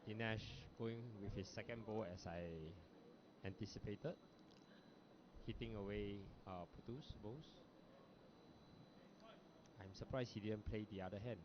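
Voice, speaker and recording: A man from Singapore with a Singaporean English accent, giving relaxed, chatty live commentary on a bowls match, with frequent fillers. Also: lowish voice, a little slow, long pauses. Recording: lo-fi broadcast audio with background noise.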